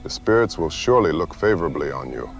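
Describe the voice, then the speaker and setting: An actor playing a dignified tribal war party leader, solemn and formal, in an audio adventure drama. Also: male voice, rumbling low, lively intonation, fast, vocal fry, soft background music, exaggerated voice. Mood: grateful, solemn.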